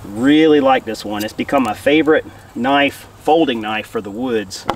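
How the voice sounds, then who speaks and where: In a forest camp, a man in his forties gives casual bushcraft instruction at a moderate pace in a mid-range voice, relaxed and talking as he works with his hands. A camera a few feet away makes him sound a bit distant, with faint outdoor noise.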